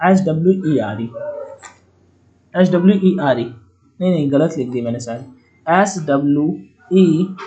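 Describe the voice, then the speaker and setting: On a lo-fi recording, a man whose voice sits on the high side with a darkish tone teaches vocabulary online to exam students in a relaxed way. Joking mnemonics carry his explanations, and he speaks to his audience like a friendly older brother would.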